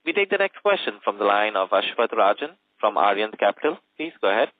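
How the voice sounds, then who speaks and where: A man's voice: lowish voice, sing-song, brisk, no room sound. A man working as a conference call operator, giving formal scripted prompts. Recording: dry, narrow telephone line.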